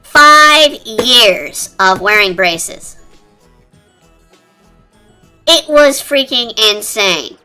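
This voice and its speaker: A streamer talking through a high-pitched chipmunk voice changer in rambling, casual chat while drawing. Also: lively intonation, slow, smooth. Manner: rambling, chatty, lots of fillers. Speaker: art streamer. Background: quiet cafe-style background music.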